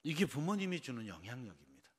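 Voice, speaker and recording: Man, pastor, animated sermon delivery, quizzes the congregation, long church reverb. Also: medium pitch, fast, husky. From Seoul, South Korea. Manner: engages the congregation with quiz questions. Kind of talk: early-morning sermon. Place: church sanctuary.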